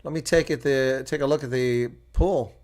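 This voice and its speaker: An American man from the United States calls a rugby match live on his own, mixing play-by-play with reactions and chatting with viewers along the way. His mid-range voice has a darkish tone and moves at a normal speed.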